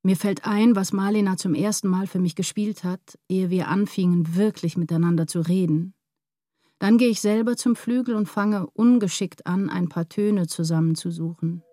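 An actress playing an anguished, brooding woman writer in a literary radio drama, speaking in an introspective, measured way. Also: mid-range voice, dark tone, no echo, studio quality, lightly acted.

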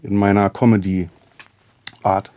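A comedian from West Berlin with a Berlin accent, chatting casually and rambling with many fillers. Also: male voice, fairly low pitch, level tone, very slow, warm tone. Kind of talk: casual conversation.

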